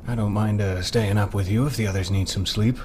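Male tabletop player, low register, casual in-character delivery, faint ambience behind. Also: steady tone, fairly quick, darkish tone, a little hiss or hum. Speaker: player in a tabletop roleplaying game. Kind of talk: casual roleplay and first-person narration.

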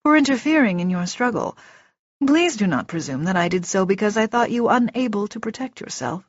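A woman voicing a small male dark-elf warrior in an audiobook, calm, formal, measured and pitiless. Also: mid-range voice, no echo, dull audio, natural voice. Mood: courteous. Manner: formal, measured, quiet, emotionless.

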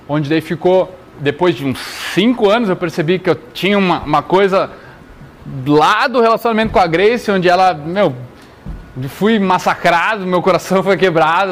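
A man speaking casually and earnestly, giving slangy personal advice directly to listeners. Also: sits high. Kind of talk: casual motivational talk.

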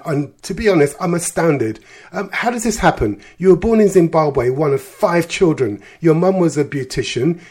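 A man hosting a radio interview show, reading polished introductions and asking questions in a measured way. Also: on the high side, darkish tone.

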